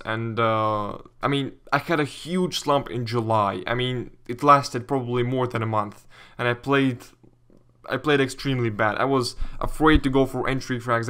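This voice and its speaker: A man's voice: medium pitch, bright, forceful tone, smooth. Young Latvian-accented man, casual gaming commentator. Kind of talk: casual Q&A commentary reading viewer questions.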